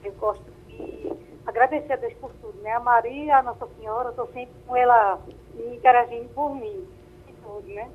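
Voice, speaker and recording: A woman's voice: a little high, fairly quick, slight background noise. A woman calling in to a radio show over a landline phone. She talks casually and often tags phrases with a questioning "né?". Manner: soft-spoken, often ends phrases with a questioning "né?". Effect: heard over a landline phone. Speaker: caller. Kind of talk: casual call-in chat. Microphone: telephone handset. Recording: tinny, narrowband phone line.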